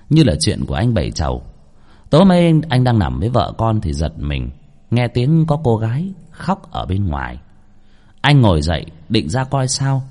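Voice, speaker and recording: Man, ghost story narrator, husky voice, very animated pitch, dramatic.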